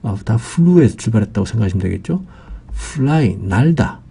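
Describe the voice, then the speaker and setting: A man's voice: lowish voice, very animated, fairly quick, vocal fry, dark tone, breathy edge. A man giving an English vocabulary lesson, explaining patiently with many fillers.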